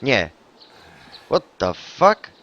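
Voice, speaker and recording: A man's voice: mid-range voice, extremely slow. Guy streaming a shooter, chatty and swears a lot, hollers when he gets a kill, kinda dull muffled audio. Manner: excitable, swears, yells taunts in English on kills. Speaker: game streamer. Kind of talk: casual gaming chat with a teammate.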